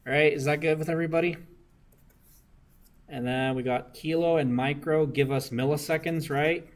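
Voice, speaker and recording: A man's voice: a little high, fairly even intonation, moderate pace. A young man working circuit homework problems for a class, often asking "right?" to check that students follow. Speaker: engineering discussion instructor.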